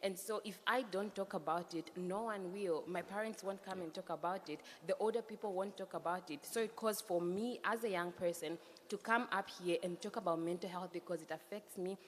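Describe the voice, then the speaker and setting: A woman's voice: lowish voice, a little fast, hardly any pauses. A young woman from Zambia moderating a youth panel discussion, speaking in an earnest, emphatic way and repeating her key points. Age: young adult. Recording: hall reverb with faint background noise.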